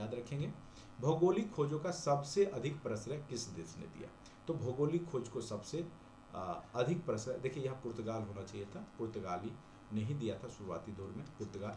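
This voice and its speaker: Repeating points for emphasis, an Indian-accented male teacher takes an exam-prep class through questions and answers. He has a medium pitch and a darkish tone, and the room is echoey, with background noise clearly audible.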